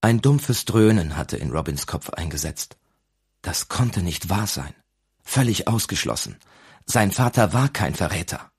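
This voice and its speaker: Low, husky male audiobook narrator. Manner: calm, even storytelling.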